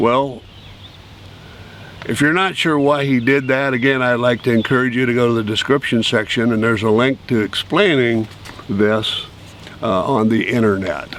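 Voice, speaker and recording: The man pauses often and at length, with noticeable noise in the background. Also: medium pitch for a man, ordinary pitch variation, moderate pace. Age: 70s. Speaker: evangelist. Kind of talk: testimony. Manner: halting.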